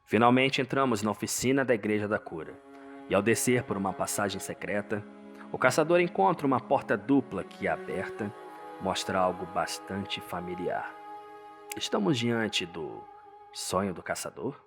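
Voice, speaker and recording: A man with a Brazilian accent narrates a dark story in a theatrical, suspenseful, scripted style. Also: fairly low pitch, lively intonation, normal speed. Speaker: narrator, host. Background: music.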